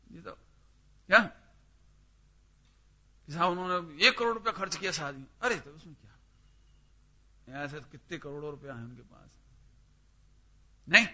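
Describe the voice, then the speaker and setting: A man's voice: fairly high pitch, moderate pace, pauses often, bright, forceful tone. A man teaching a scripture study class, questioning his listeners by name and pressing each point emphatically. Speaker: religious teacher. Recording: dull lo-fi recording.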